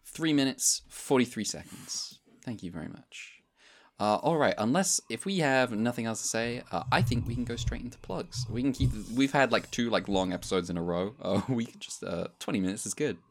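A man's voice: mid-range voice, moderate pace, a little hiss or hum. A man co-hosting a podcast in casual chat, wrapping up in a loose, meandering way. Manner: loose, meandering sign-off delivery. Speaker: podcast co-host.

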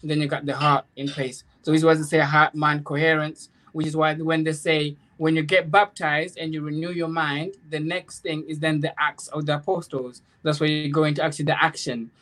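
A man's voice: on the high side, level tone, a little fast, few pauses, fairly bright tone. A man in an informal spiritual discussion, explaining earnestly in a rambling way, repeating phrases and checking that he is understood. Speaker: guest, author.

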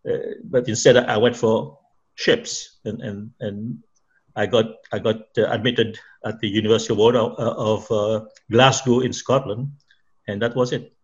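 A man's voice: lowish voice, fairly even intonation, moderate pace, dull audio. A middle-aged or older man from Mauritius with a Mauritian accent mixed with Canadian, telling his story in conversation as an interview guest, often repeating words as he searches for phrases.

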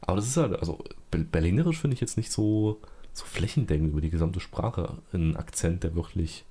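A man's voice: low-pitched, animated, a little fast, warm tone, slightly rough. A man co-hosting a podcast in casual chat, dry and matter-of-fact with drily joking remarks. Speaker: podcast co-host.

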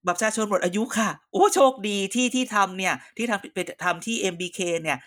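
A woman holds forth in casual podcast chat with friends. She is blunt and teasing, quick to push back and argue her point. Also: medium pitch, a bit bright.

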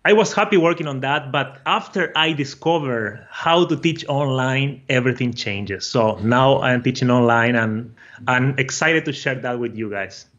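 A man's voice: mid-range voice, expressive, normal speed, a bit bright, highs cut off. A man from Brazil with a Brazilian Portuguese accent, a guest telling his story in a casual interview, eager and often repeating words as he searches for phrasing. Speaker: guest, online course creator.

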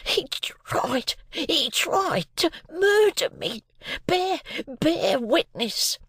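A reader voicing a beaten, desperate male convict who cries out high and strained, gasping in breathy whispers. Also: big pitch swings, drawn-out words, bright, forceful tone, dry recording, clean studio sound, exaggerated voice.

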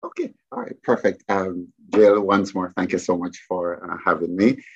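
Jamaican man, very low voice, muffled lo-fi sound, hesitant with fillers. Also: slightly rough, dry recording. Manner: speaks with many fillers and pauses. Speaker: resort business development guest. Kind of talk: podcast interview.

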